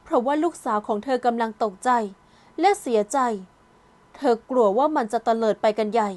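A woman narrating an audio novel in a calm, gentle storytelling voice. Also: fairly high pitch, normal speed. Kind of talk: scripted narration.

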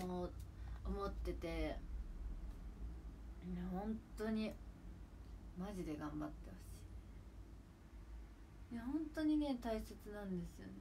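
A woman's voice: medium pitch, a little mellow, a little hiss or hum. A young woman from Kagawa, Japan, hosting an idol livestream, chatting casually and gushing to viewers on a close phone mic.

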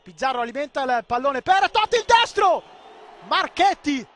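A man with a very high voice delivers excitable live football commentary, swinging between clipped calls and long, drawn-out shouts.

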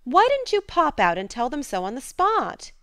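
A woman voicing a blunt, hot-tempered teenage girl in a storybook reading, speaking loudly and indignantly. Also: on the high side, very animated, normal speed, no room sound, clean studio sound.

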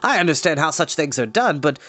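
A man voicing a boastful, excitable bard with a pompous, blustering manner in a storybook read-aloud. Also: a little high, fairly quick. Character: boastful, excitable male bard, self-assured adviser.

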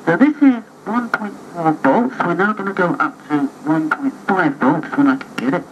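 A woman's voice: fairly low pitch, lively intonation, normal speed, muffled recording, slight background noise. A woman, an electronics hobbyist, talking through a voltage test step by step, heard as a playback of a tape recorded through a carbon granule microphone. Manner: talks through each step while adjusting gear. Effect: played back from a tape recorded through a carbon granule microphone. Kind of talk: casual hands-on demo talk. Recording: faint, distant, gritty carbon-mic tape playback.

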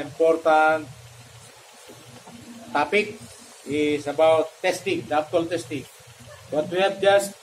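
A middle-aged man teaches in a classroom, speaking very slowly and leaning on fillers and rhetorical questions. His voice sits a little high, with a faint hum of room noise behind it. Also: rough recording. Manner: slow, questioning, with many fillers. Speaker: lecturer. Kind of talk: classroom lecture on plumbing code. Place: classroom with a whiteboard.

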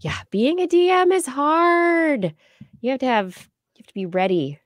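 American woman podcast host, middle aged, rambly and playful, really animated, close dry mic. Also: high voice, moderate pace, no room sound. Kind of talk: casual livestream chat. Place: indoors on a video call. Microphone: large microphone on a boom arm, close up.

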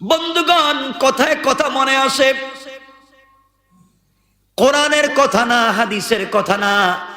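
A man preaching an impassioned Islamic sermon, telling religious stories with acted-out dialogue in a drawn-out, rhetorical way. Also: very high-pitched, pushed and bright. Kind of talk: sermon with dramatized religious storytelling. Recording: echoey hall with long reverb.

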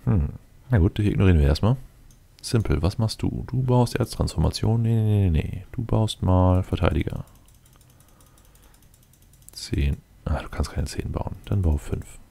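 A man with a very low, gravelly voice talks his way through a game. His tone is dark and mellow, and he mutters casually to himself, thinking aloud and addressing his units directly. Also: lively intonation, normal speed, pauses often. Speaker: let's player commenting on his game.

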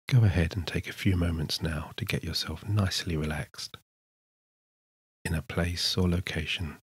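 A man narrating a scripted sleep hypnosis session in a soothing, measured manner with unhurried pauses. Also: low-pitched, slightly rough, no echo. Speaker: hypnotist, guided meditation narrator.

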